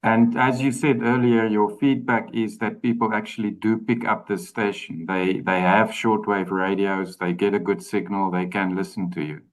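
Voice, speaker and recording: A man hosting a conversational interview in a measured way, thinking aloud as he frames his questions. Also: fairly low pitch, little pitch movement, poor audio. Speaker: interviewer, shortwave channel host.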